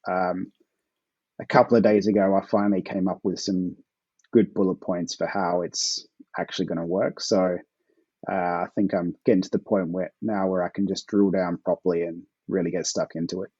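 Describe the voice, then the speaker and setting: Dark husky Australian man, low-fi. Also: moderate pace, no echo, dull audio. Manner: relaxed, hesitant with fillers and restarts. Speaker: author guest. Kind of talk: casual interview chat.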